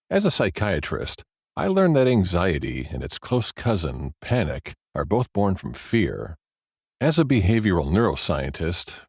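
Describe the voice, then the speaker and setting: A deep male voice with a husky grain narrates a self-help audiobook. His intonation moves in lively swings while the delivery stays measured and explanatory, with deliberate pauses. The sound is close and dry. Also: no echo.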